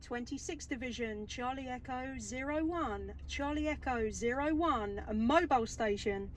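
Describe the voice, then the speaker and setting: A woman speaks in a high voice, calling as an enthusiastic mobile radio operator. She sounds set back from the microphone in a vehicle, with very loud noise all through the recording. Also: normal speed. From England. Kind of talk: amateur radio contact calls. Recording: noisy radio hobby recording, distant from mic.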